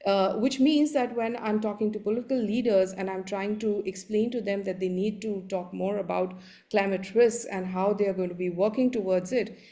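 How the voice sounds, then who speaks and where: A woman with an Indian accent, a native Hindi speaker, giving an explanatory conference presentation in a halting way, often repeating words. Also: mid-range voice, fairly even intonation, dark tone. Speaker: panelist giving a slide presentation.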